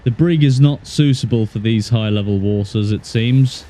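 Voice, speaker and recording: A Galway man with a west of Ireland accent livestreams his game, chatting casually and commentating in an easygoing, wry way as he muses aloud. His voice is lowish and warm, at a moderate pace.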